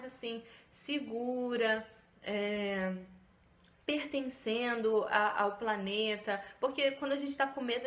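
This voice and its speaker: A woman's voice: on the high side, a bit bright, roomy sound. A woman vlogger giving casual self-help talk to the camera, chatty, with many fillers and tag questions.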